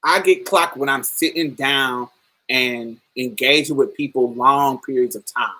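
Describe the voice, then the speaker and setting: A woman with a deep voice hosting a casual podcast chat, telling stories with frequent laughter and calling the listener honey and baby. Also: a little slow, poor audio. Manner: animated storyteller, laughs often, calls listeners honey and baby. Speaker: podcast host.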